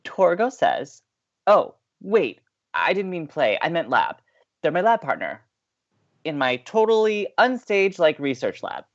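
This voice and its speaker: In a scripted audio drama, a young adult man plays an upbeat, romantic-minded college radio co-host, earnest, playful, and teasing in his banter. His voice is on the high side, sing-song and unhurried, with lo-fi sound.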